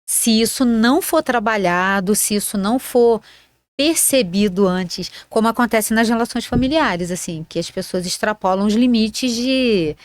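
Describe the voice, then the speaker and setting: A woman's voice: a little high, moderate pace, no echo. A woman co-hosting a casual podcast, speaking earnestly and emphatically, with many fillers. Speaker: podcast co-host.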